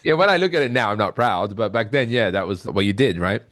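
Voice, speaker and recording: A man with a fairly low voice talks as a guest in a conversational interview. He explains things earnestly, telling stories and making his case, and often tags his points with a quick questioning "right?". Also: lively intonation, a bit bright. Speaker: interview guest, tech company founder.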